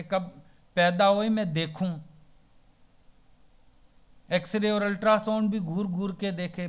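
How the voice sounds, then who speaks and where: A man preaching a devotional sermon, his voice sitting high for a man. He takes his time, drawing out plain-spoken parables and asking his listeners rhetorical questions along the way. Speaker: spiritual teacher.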